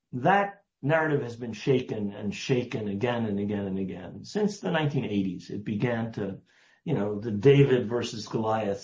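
An older man with a low voice speaks as an interview guest, slow and weighty, leaning hard on the words that matter. The sound is roomy and a little dull, as if from a lo-fi recording. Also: darkish tone. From United States. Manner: deliberate, emphatic, lingers on key words. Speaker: guest historian. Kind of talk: interview answer, storytelling.

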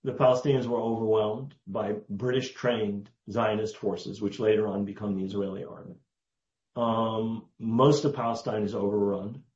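A man, giving a guest's long answers in an interview, deliberate and emphatic, stressing key words. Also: lowish voice, flat delivery, darkish tone. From United States. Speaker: guest historian. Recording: roomy, dull lo-fi sound.

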